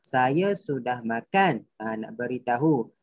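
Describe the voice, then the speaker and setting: A man's voice: mid-range voice, animated, takes it slowly, dry recording. A male primary school teacher with a Malaysian Malay accent, patiently explaining a grammar lesson and quizzing his pupils. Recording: dull dry lo-fi recording.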